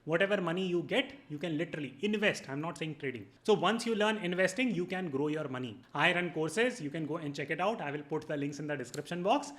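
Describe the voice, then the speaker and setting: A man with a North Indian accent speaks in a high register at a rapid clip. He explains things to viewers point by point, like an educator, stressing his key words in a didactic manner. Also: lively intonation, a bit bright. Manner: didactic, emphatic, mixes in Hindi phrases. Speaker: video host and educator.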